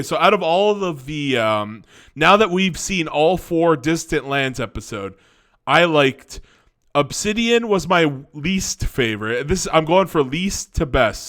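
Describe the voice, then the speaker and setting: A young man talking off the cuff about cartoons, his voice slightly stuffy from a cold. He sits a little higher in pitch than most men and keeps circling back, restarting his sentences and dropping in "um" and "like" as he goes. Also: a bit bright. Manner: rambling, many restarts and fillers. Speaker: cartoon review vlogger. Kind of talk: casual spoken review.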